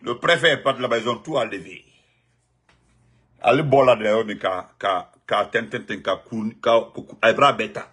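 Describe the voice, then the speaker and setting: A political commentator with a husky Guinean French accent offers spontaneous commentary, emphatic and repetitive. His voice is on the low side at a normal speed, and he swings between loud outbursts and muttered asides.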